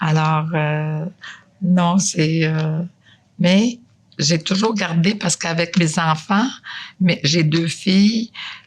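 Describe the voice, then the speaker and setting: A woman speaks at a very slow pace in a fairly low pitch. Her voice is somewhat breathy, with fairly even intonation. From Quebec, Montérégie south-west. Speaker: retired nutrition technician. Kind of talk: interview. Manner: halting.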